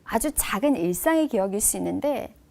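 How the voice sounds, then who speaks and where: A woman professor giving a lecture, telling stories expressively and dropping to a soft hush for emphasis. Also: medium pitch, lively intonation, brisk, creaky.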